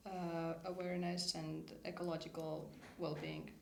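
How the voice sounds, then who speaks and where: A woman's fairly low, monotone voice with flat intonation at a very slow pace, with noticeable background noise and audible room echo. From Estonia. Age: 20s. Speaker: volunteer. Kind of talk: podcast conversation. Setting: studio.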